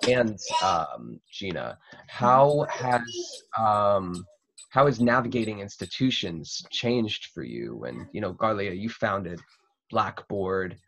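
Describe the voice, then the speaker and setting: A young man hosting a casual roundtable chat over a video call, talking informally and haltingly. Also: on the low side, sing-song, creaky, fairly bright tone, poor audio. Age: young adult. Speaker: host. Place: small cluttered room at home. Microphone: computer mic on a video call.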